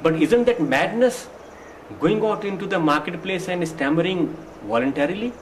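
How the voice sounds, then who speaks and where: Man as interviewer, slightly high voice, slow, probing questions, faint room hiss. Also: poor audio. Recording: faint background noise.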